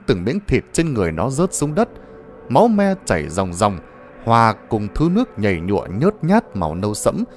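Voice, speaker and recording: A man's voice: mid-range voice, a little hiss or hum. A man narrating a ghost story in a dramatic, suspenseful manner.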